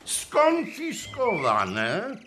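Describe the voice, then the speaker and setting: A man's voice: high voice, wildly swooping pitch, extremely slow, sharp tone, a little hiss or hum, heavily acted. A man playing a pedantic, darkly cheerful schoolteacher in a theatrical radio drama style, questioning his class. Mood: insistent.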